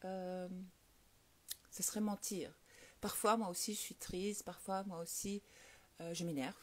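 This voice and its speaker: A woman with a French accent hosts a casual live stream and answers viewers' comments. Her talk is lively, she laughs often, and she fills it with little hesitations. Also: mid-range voice, a little slow. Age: adult with children. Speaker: host of a live stream on the law of attraction.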